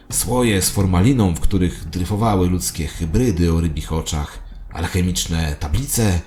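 A man's voice: low-pitched, warm tone. A man playing a grandiose, paranoid conspiracy believer who solemnly narrates his own story in an audio drama. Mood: hushed reverence. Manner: solemn, theatrical, self-important. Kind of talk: dramatic first-person scripted narration.

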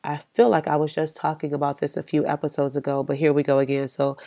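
A woman's voice: deep voice, little pitch movement, fast talker, dark tone. A woman hosting her own podcast, talking in an encouraging, conversational way with frequent ums, her voice stuffy from a cold. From United States. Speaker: podcast host. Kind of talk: solo podcast talk.

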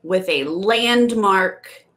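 A woman's voice: mid-range voice, drawn-out words, a bit bright. A middle-aged woman chatting casually as a contestant in a guessing game on a video call. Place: home room on a video call. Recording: faint background noise, clicks.

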